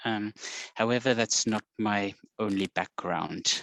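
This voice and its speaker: Against a quiet background, a man talks in a fairly low pitch with fairly even intonation and a dry, close sound with no echo. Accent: South African. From South Africa. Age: 40s. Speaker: IT security executive and archaeologist. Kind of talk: interview conversation.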